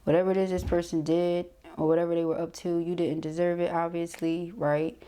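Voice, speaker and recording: Low-pitched, mellow woman reading tarot. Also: level tone, fairly quick, smooth. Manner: conversational, punctuated with frequent check-in tags like okay and right. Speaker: tarot card reader. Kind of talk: casual intuitive tarot reading to camera.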